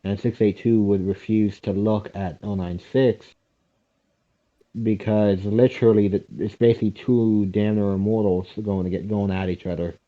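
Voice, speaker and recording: A man's voice: lowish voice, fairly even intonation, normal speed. A young man hosting a reaction video, chatting loosely with profanity and jokes. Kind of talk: casual chat. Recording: dull lo-fi audio.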